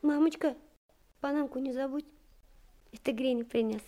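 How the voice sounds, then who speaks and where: A woman playing a young, loving daughter with a soft, coaxing manner in a Soviet radio play. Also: high voice, steady tone, moderate pace, background noise, natural voice. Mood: coaxing, affectionate.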